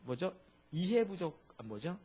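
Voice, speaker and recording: Husky, animated pastor preaching. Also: male voice, a little high, a little slow. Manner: animated preaching with rhetorical questions to the congregation. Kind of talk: sermon.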